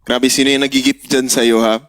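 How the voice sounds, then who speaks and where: A man's voice: mid-range voice, level tone, normal speed, a bit bright. A young man chatting playfully on a livestream, now and then singing along. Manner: playful, sometimes sings along. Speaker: livestream co-host. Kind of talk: casual livestream chat.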